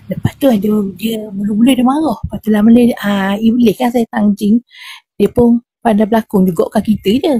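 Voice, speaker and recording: A woman with a Terengganu Malay accent, a guest telling a true horror experience in casual, animated style and acting out sounds and quoted voices. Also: a little high, brisk, breathy edge, no room sound. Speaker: guest recounting a spirit healing.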